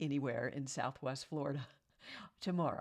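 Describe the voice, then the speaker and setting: A woman speaks in a very clean recording against a silent background. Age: 70s. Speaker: older runner and fitness vlogger. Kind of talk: casual vlog talk.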